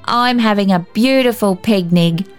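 A woman's voice: medium pitch, unhurried, clear, resonant tone, soft background music, pitched above the performer's own voice, close to an everyday voice. A woman voicing an earnest, eager little boy in a storybook reading. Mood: joyous.

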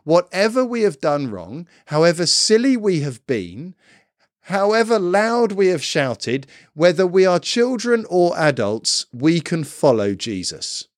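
A middle-aged man giving a children's sermon, emphatic and expressive, building lists and ending in prayer. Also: high-pitched, a little slow, dry recording. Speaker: preacher. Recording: dry close recording.

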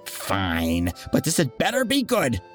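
A man's voice: medium pitch, wildly swooping pitch, measured pace, loud music behind the voice, pitched above the performer's own voice. A man voicing a wicked, bargaining castle guard, a sneering bully in a storybook tale. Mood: sneering, grudging.

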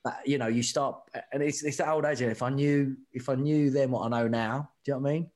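A man's voice: mid-range voice, fairly even intonation, a little fast, darkish tone. A middle-aged man, a rugby coach, telling stories candidly and animatedly, often repeating words and saying "mate". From England. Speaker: rugby sevens coach, guest. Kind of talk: candid conversational storytelling.

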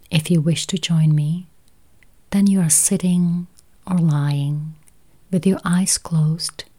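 Low breathy whisper, woman leading a meditation, super slow and mellow. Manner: slow, soft, repetitive counting. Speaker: meditation guide. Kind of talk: guided meditation.

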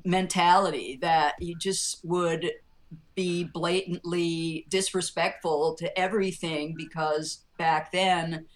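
A woman's voice: lowish voice, fairly even intonation, slow pace. A woman guest on a film podcast, chatty and rambling, laughing between her thoughts. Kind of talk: casual film discussion.

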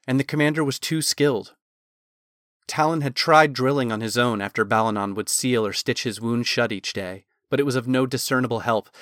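Measured man narrating a fantasy tale. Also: mid-range voice, fairly bright tone, dry recording, clean studio sound.

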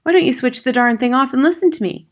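A woman's voice: mid-range voice, animated, fairly quick, darkish tone. A woman voicing a slim, polite but resolute schoolteacher in an audiobook, earnest and firm. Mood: impatient, firm. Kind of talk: acted audiobook dialogue.

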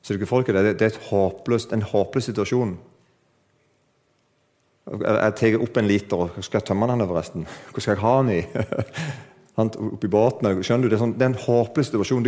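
Using a lowish, darkish voice, a man preaches conversationally to his congregation, asking them questions and joking about himself amid laughs. He then builds to emphatic, lifted declarations.

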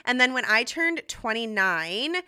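Bright-voiced woman in her thirties, chatty. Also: on the high side, very animated. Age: 30s. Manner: chatty and confiding, many fillers and restarts, quick asides. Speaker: podcast host. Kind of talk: casual solo podcast chat.

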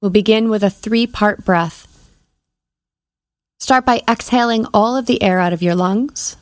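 A woman leading a guided breathing meditation as a podcast host and coach, giving measured, soothing instructions with pauses. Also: medium pitch, dry recording, studio quality.

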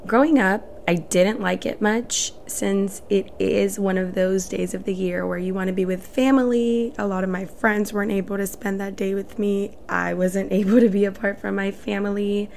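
A woman's voice: mid-range voice, fairly even intonation, normal speed, creaky, few pauses, a little mellow, slight background noise. A woman in her twenties, born in El Salvador and raised in Houston, talks earnestly and reflectively in short phrases as the host of her own solo podcast. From El Salvador, raised in Houston, Texas. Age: 20s.

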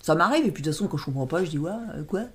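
Lively French woman, quick talker. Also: low voice, slight background noise. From France. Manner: lively, quick, emphatic, animated storytelling. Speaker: guest, stage performer. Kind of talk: casual interview chat.

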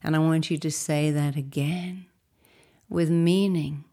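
A woman leading a guided meditation in a soothing, unhurried, instructive way, with a soft voice that turns breathy at phrase ends. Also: low-pitched, steady tone.

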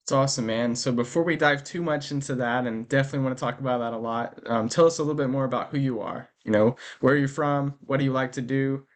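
A man's voice: mid-range voice, fast talker, hardly any pauses. A man hosting an interview, asking his guest questions in a friendly, easygoing way. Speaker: podcast host. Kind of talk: casual interview chat.

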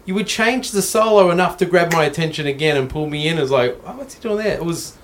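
A man's voice: fairly high pitch, fast, slight background noise. Enthusiastic man hosting a chat. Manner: eager, enthusiastic, swears casually. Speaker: podcast host. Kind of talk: casual interview chat.

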